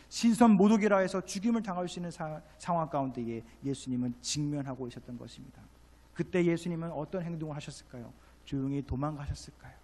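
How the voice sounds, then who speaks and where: A man preaching a sermon, swinging from loud exhortation down to hushed, slow storytelling. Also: on the high side. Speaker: pastor. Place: church sanctuary. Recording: long church hall reverb.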